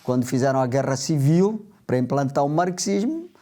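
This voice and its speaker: A man's voice: mid-range voice, lively intonation, normal speed, dark tone. An older man from Angola, a lawyer guest, talking in a joking, ironic way in a studio interview.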